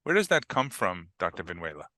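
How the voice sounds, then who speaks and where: A man hosting a podcast interview, asking prepared questions in an earnest, measured way. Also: deep voice, very animated, bright, forceful tone, dry recording, studio quality. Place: podcast studio.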